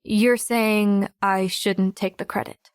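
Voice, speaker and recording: A woman playing a weary, guarded teenage girl superhero who narrates her own story in a measured, introspective audiobook style. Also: mid-range voice, steady tone, clean tone, no room sound, studio quality, close to an everyday voice. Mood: weary, reflective. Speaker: narrator and lead voice actor. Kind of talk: first-person audiobook narration.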